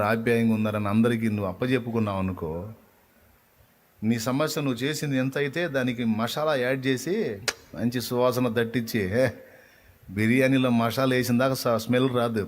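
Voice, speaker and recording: A man with a medium-pitched voice delivers a sermon as a preacher. He tells his story with passion and keeps asking the listeners rhetorical questions. He repeats key lines over and over for emphasis.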